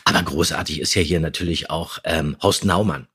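A man's voice: extremely low pitch, fairly quick, a bit bright, husky. A man co-hosting a podcast, chatting casually and appreciatively, feeling his way through his phrasing. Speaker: podcast co-host. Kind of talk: casual review chat.

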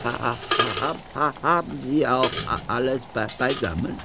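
A man playing a stammering, gravelly blind man. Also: medium pitch, heavy background noise, natural voice. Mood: flustered. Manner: stammering, halting. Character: stammering, timid blind man who is secretly a villain. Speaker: radio drama actor. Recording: old radio play with loud rain. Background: heavy rain.

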